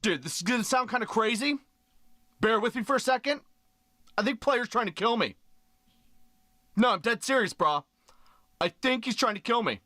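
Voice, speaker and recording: A man voicing a laid-back, dim young bro in an animated comedy. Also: very high-pitched, normal speed, long pauses, no room sound, clean studio sound, full character voice. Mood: worried.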